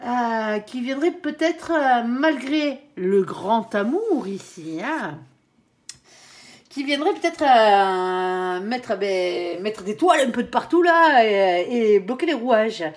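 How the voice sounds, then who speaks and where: A woman gives a relaxed, chatty tarot reading, her voice sitting a little high. Her nose is stuffed up, so everything comes out nasal. She keeps dropping small fillers at the ends of her phrases. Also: slow pace. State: stuffy nose, coming down with a cold. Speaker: tarot card reader. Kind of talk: casual tarot reading to camera.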